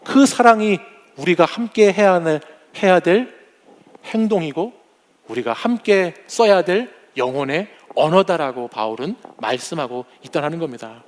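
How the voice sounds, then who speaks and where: A man in his forties preaches a sermon with a high-pitched voice. He mixes in humorous stories about his family and briefly mimics the voices of the people in them. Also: expressive, moderate pace. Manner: warm storytelling with humorous anecdotes; acts out family members' voices. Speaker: pastor.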